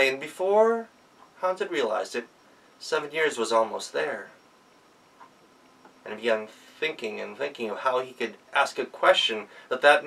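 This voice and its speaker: An American man performs a folktale as a practiced storyteller. His voice is very lively and bright, full of dramatic pauses and repeated phrases, picked up from slightly away from the microphone. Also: fairly high pitch, creaky, far from the mic, poor audio. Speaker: professional storyteller. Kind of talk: animated oral folktale telling.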